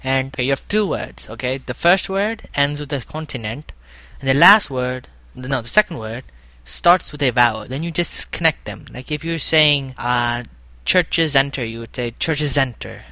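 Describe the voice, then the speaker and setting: A playful male podcast co-host with a bright, forceful voice who often repeats his words. His sound is dry and close to the mic. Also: mid-range voice, lively intonation, moderate pace, no echo. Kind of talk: comedic podcast banter.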